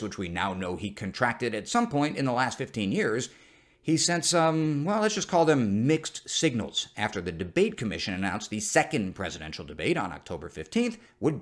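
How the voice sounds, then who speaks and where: A man delivering scripted comedic news commentary as the host of a satire show, in the manner of a parody news anchor. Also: on the low side.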